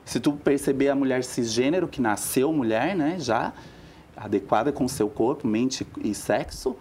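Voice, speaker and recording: A woman's voice: rumbling low, moderate pace, slight background noise. Chatty woman, guest. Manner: expressive and chatty, calls people "meu amor". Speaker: guest, vocal teacher. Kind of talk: talk show interview. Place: TV studio.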